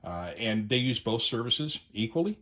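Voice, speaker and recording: A middle-aged American man giving an unscripted, conversational opinion monologue to viewers, with hesitant phrasing and frequent pauses. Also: medium pitch, big pitch swings, bright, forceful tone. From United States. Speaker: YouTube host, amateur radio enthusiast.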